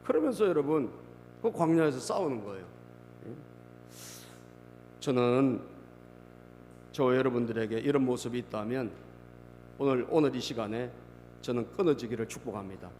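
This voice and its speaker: A male pastor preaching a sermon. He reads scripture aloud, then explains it, keeps asking the congregation for response, and swells to loud proclamations at the climaxes. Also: medium pitch, animated, normal speed, pauses often, long reverb tail, a little hiss or hum.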